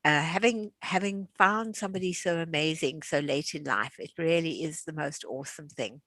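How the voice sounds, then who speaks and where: A woman in her sixties, hosting an online class, talks casually with easy laughter. Her voice sits low with a bit of brightness, at a normal speed, captured in a dry recording.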